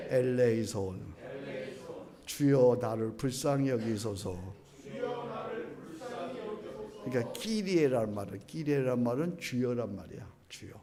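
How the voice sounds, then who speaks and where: A middle-aged man preaching as a pastor, leading his congregation in call-and-response prayer, dropping to a hush and rising to loud chanting. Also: mid-range voice. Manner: swings between hushed lines and loud chanted prayer. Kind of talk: sermon.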